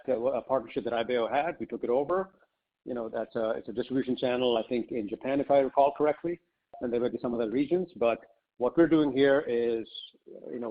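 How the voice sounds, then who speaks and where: A man speaking as a company executive, answering questions off the cuff on an investor conference call in a conversational way peppered with "you know". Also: mid-range voice. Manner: conversational, often says "you know" and "right". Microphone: conference call line. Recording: slightly muffled conference call audio.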